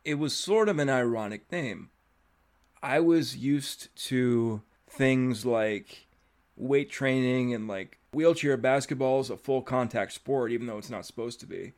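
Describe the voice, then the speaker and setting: A young adult man hosts a podcast in an easygoing, conversational way. His voice sits at an ordinary middle pitch, and his sentences often fade out softly at the end. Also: unhurried. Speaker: podcast host. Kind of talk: casual interview chat.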